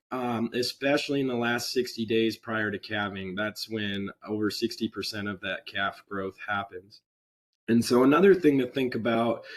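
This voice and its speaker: A man with a voice still hoarse from a cold, giving a webinar presentation over a computer microphone in a relaxed, unpolished way with frequent ums and uhs. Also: medium pitch. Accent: American. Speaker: extension presenter. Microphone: computer microphone on a video call.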